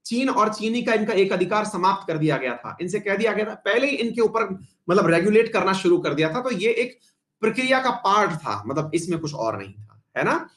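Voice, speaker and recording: Man, history teacher, high voice, chatty, quizzes students, side remarks, English terms mixed in. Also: sing-song, a little fast, a bit bright. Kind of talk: online exam-prep class.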